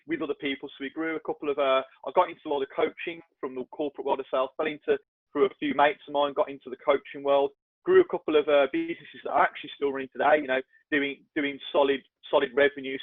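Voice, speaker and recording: This is a Black Country man guesting on a podcast, medium-pitched and creaky. He keeps the chat light and self-mocking, frequently restarting what he says. The recording is dry and tinny, like a phone line.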